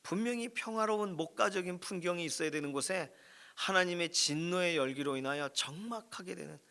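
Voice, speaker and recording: Bright-voiced Korean pastor preaching. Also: male voice, high-pitched, a little fast, vocal fry. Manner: expressive preaching, voice swelling and dropping to near whisper. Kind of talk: sermon. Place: church prayer room.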